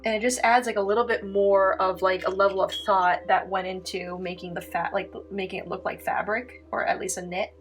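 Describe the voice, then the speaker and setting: A woman's voice: medium pitch, level tone, a little fast, hardly any pauses. A young woman, a native Italian speaker from Canada, chatting casually through a painting tutorial with lots of "like" and "um.". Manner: chatty, heavy filler words, giggly asides. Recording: faint music behind.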